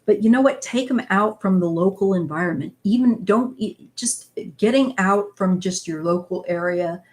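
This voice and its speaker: A woman's voice: medium pitch, normal speed, darkish tone. A woman in her fifties from northwest Missouri, hosting a rambling, casual live-stream chat with viewers. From northwest Missouri, USA. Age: 50s. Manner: rambling, chatty, talks to viewers as "you guys". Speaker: tarot channel host reading live chat.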